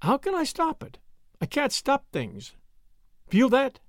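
An anguished woman in love, as an audiobook narrator puts her on, pitched well up with lively swings. She is dramatic and pleading, full of self-reproach. The recording is close and dry. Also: takes it slowly, no room sound, heavily acted. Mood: desperate.

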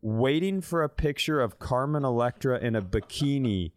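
A man's voice: medium pitch, expressive, moderate pace. A man in his mid-thirties co-hosting a comedy podcast, telling casual, blunt stories with swearing and acted-out quotes. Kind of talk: animated casual comic storytelling.

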